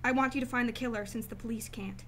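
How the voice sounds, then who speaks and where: A woman's voice: a little high, steady tone, fast talker, a bit bright, a little hiss or hum, close to an everyday voice. A woman playing a guarded, determined client in a sci-fi radio drama, speaking earnestly, firmly and formally. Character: determined, guarded female client seeking her brother's killer. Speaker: actress in a radio play.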